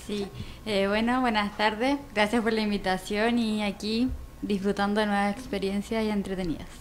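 A woman's voice: mid-range voice, level tone, normal speed. A young woman with a Chilean accent speaks as an interview guest. Her answers are casual and unscripted in a mid-range voice, with faint background noise.

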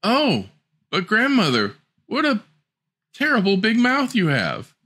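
A man voicing a sweet, trusting little girl in a storybook reading, pitching his voice high and gentle. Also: sing-song, a little slow, exaggerated voice. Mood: innocent. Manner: high, wide-eyed, gentle.

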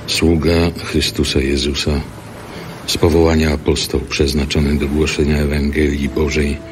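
A man's voice: extremely low pitch, background noise. An actor playing a solemn, devout apostle reading out his letter in a biblical audio drama. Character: apostle Paul, solemn man dictating a letter.

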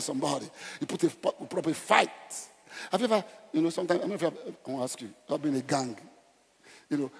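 A man's voice: a little high, creaky, slightly rough. A middle-aged Nigerian man preaching an evangelistic sermon, emphatic and exhorting, in short repeated phrases with a conversational turn. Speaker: pastor. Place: large church auditorium, on stage. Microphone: headset. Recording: echoey church hall sound.

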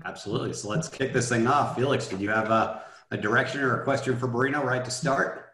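A man hosting a video interview, welcoming the guest and handing over in a relaxed manner, with some hesitant fillers. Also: mid-range voice, quick pace. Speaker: host. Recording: echoey room with faint noise.

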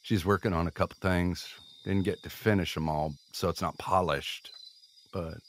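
A man playing a gruff, stubborn, wounded man in a naturalistic audio drama, grumbling and curt. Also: sits low, fairly even intonation, moderate pace, a little hiss or hum, close to an everyday voice. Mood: dry, easygoing.

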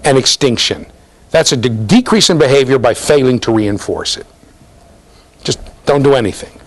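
Man, middle-aged, university lecturer, animated pitch, quizzing students, seated at a desk mic. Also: moderate pace. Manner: questioning students, lively, gestures while talking. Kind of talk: interactive classroom lecture. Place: office with bookshelves, linked to a classroom.

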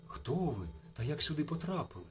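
A man voicing an unseen, polite creature from the river in a storybook, speaking low and calm. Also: brisk.

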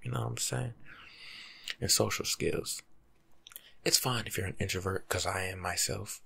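A young American man giving rambling, slangy ASMR life advice in a hushed, breathy voice, playful and animated, close to the mic in a room at home. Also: low voice, normal speed. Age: young adult. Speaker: ASMR video creator. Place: small indoor room at home.

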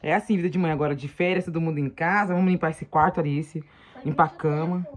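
A woman's voice: deep voice, steady tone, fast talker. A mother chatting casually to viewers as she films her family's day at home and out walking. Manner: chatty, addresses viewers as "gente", coos to her children. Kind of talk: casual vlog narration. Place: home and outdoors on a hot street and park.

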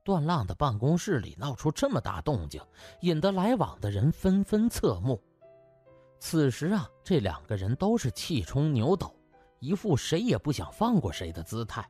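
Animated husky male storyteller over music. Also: fairly high pitch, moderate pace. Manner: theatrical, colloquial storyteller. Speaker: audiobook narrator. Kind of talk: animated comic storytelling narration.

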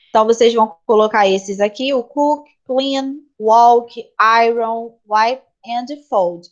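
A woman teacher with a Brazilian Portuguese accent explains grammar to her class, stopping often to check that students follow. Her voice sits fairly high. The audio is slightly dull and lo-fi, as from a computer mic in an online class. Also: a little mellow. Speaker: English teacher.

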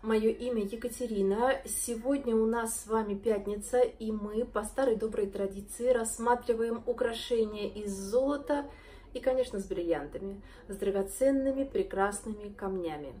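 A woman in her thirties, hoarse from a cold, chattily presenting jewelry to camera in a shop. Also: on the high side, moderate pace, mellow. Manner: admiring, chatty, addresses viewers as girls and friends. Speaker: jewelry seller presenting a collection. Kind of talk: casual sales presentation to camera. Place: jewelry shop with display cases, indoors. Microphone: phone or camera close up, front-facing.

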